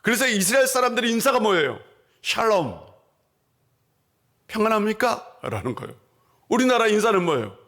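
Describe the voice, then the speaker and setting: A man's voice: very animated, normal speed, pauses often, a bit bright. A male pastor preaching a Sunday sermon in a church, asking the congregation questions and answering them, and acting out quoted voices. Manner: acts out quoted voices in a higher pitch. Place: church sanctuary.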